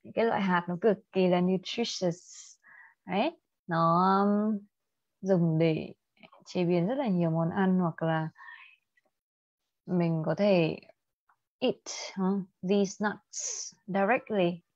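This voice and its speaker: A young Vietnamese-accented woman teacher runs a livestream IELTS lesson online, mixing Vietnamese and English and quizzing her students as she speaks slowly and deliberately. Her voice is fairly low and darkish, and the sound is dry, a little muffled, with no room sound.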